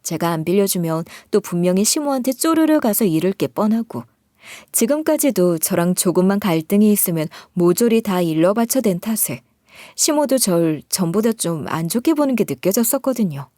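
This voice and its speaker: A woman's voice: mid-range voice, very animated, normal speed, dark tone, no room sound, clean studio sound. A woman narrating a first-person story in an aggrieved, confiding way.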